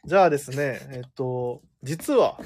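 A man's voice: medium pitch, lively intonation, darkish tone, a little hiss or hum. A man hosting a live radio show in a studio, chatting casually and joking with a guest. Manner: fast, joking, laughs often. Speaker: radio host.

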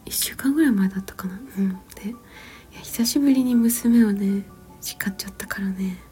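Whispering mother, 30s, mellow and gentle, rambling delivery with fillers; faint background music. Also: medium pitch, fairly quick. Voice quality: soft whisper. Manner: gentle, rambling, with frequent fillers and soft laughs. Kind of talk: whispered casual storytelling.

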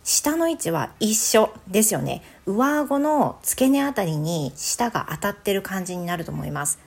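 A woman teaching English phonics in a relaxed, chatty podcast lesson, modeling each sound slowly and emphatically. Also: mid-range voice, vocal fry, slightly rough. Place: home recording for an audio app.

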